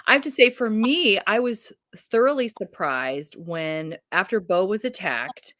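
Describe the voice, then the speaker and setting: A woman's voice: mid-range voice, animated, a little slow, fairly bright tone, no room sound, clean studio sound. A woman hosting a casual book chat over a video call, upbeat and chatty, laughing often. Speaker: booktube host.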